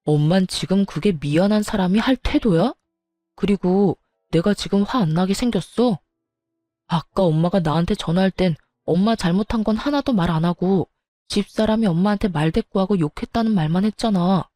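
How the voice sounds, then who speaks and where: A woman's voice: mid-range voice, moderate pace, warm tone, dry recording, faint music behind, natural voice. A woman voicing an angry middle-aged husband who scolds bluntly and reproachfully, in a narrated audio story. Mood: indignant.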